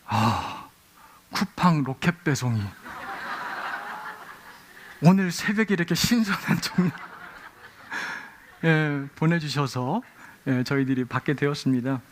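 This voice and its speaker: A middle-aged male pastor delivers a Sunday sermon with a voice that sits a little higher than most men's. He tells stories with energy, bursting into acted-out shouts and quoted lines as he preaches in a church sanctuary. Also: takes it slowly, pauses often, slight background noise. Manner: animated storytelling with acted-out exclamations.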